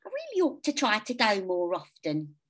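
A woman voicing a lonely, kindly old woman who talks in a gentle, fussy, chatty way. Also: medium pitch, wildly swooping pitch, normal speed, pitched above the performer's own voice.

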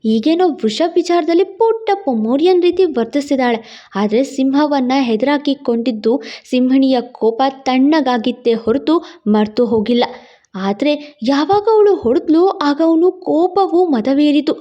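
A woman telling a romance audio story in an expressive, emphatic narrating style. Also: high-pitched, a little slow, muffled recording.

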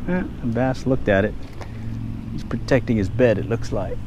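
A man's voice: mid-range voice, moderate pace, background noise. Man narrating his pond fishing outdoors. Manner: relaxed, muttering asides while casting. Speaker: angler filming his fishing. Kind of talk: casual running commentary. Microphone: head-mounted action camera.

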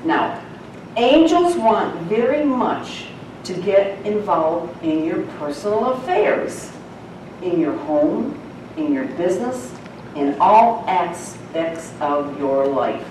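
Speaking slowly in a lowish voice with big swings in pitch, this woman leads a Bible lesson for her congregation, chatty and folksy and quick to laugh. The sound comes from a distance in a reverberant church sanctuary, and background noise is present.

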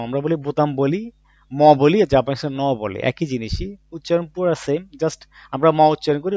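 Gravelly-voiced man explaining vocabulary. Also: mid-range voice, darkish tone, dry recording. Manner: teaches each word, then explains it with everyday examples; asks himself questions and answers them. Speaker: Japanese language teacher. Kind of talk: vocabulary lesson in Bangla. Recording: dull, muffled recording in a dry room.

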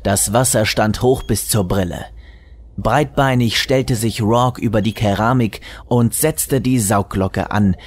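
A man's voice: on the low side, breathy edge. A man narrating a scripted comic story in a wry, tongue-in-cheek manner.

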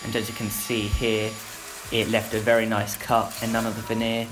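Young man, flat easygoing workshop narration. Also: lowish voice, normal speed, background noise. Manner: plain, easygoing, frequent "uh" fillers. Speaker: woodworking channel host. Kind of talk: voice-over narration of a workshop build. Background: background music.

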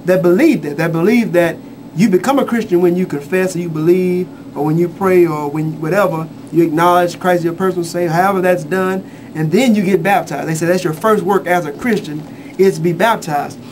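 A man's voice: high voice, a little fast, darkish tone. Earnest man teaching over studio noise. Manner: repetitive restarts, earnest. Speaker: minister on a church radio show. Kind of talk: radio Bible teaching. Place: small radio studio. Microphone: handheld mic.

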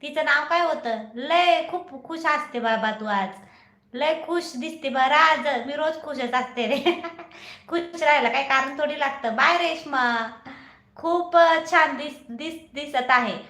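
High-voiced, bright, chatty woman livestreamer. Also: a little slow, roomy sound. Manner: chatty, teasing, laughs often. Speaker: livestream host. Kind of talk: casual live chat reading viewer comments.

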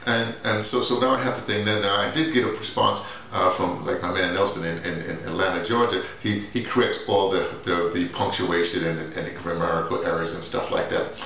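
In a rambling monologue to camera, a man in his sixties who writes plays and teaches audio drama stumbles, repeats words and strays onto tangents. His voice is low, gravelly, bright and forceful with fairly even intonation. Recorded indoors in a small bare room on a camera mic a few feet off, it sounds very echoey with faint hiss.

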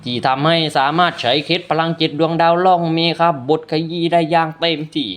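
A man's voice: on the high side, fairly even intonation, a little fast, a bit bright, smooth. A man retelling a fantasy story as a narrator, polite and loose, often correcting himself. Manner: polite, adds frequent polite particles, loose retelling with self-corrections.

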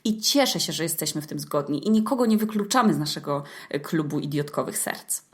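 A woman's voice: low-pitched, lively intonation, brisk. A young woman hosting a podcast as a chatty, colloquial, playful monologue with some mock drama. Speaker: podcast host. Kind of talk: casual humorous monologue to listeners.

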